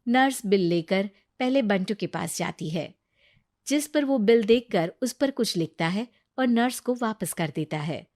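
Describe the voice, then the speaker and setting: A woman narrating a children's moral story in a steady, scripted storytelling manner. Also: mid-range voice, measured pace, no echo, clean studio sound.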